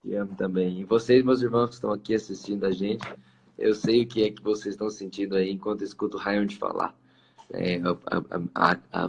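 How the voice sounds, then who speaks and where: A man's voice: lowish voice, creaky, noisy background. A man hosting a Christian live stream, talking in an effusive, emotional way and repeating himself. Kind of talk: casual live-stream farewell.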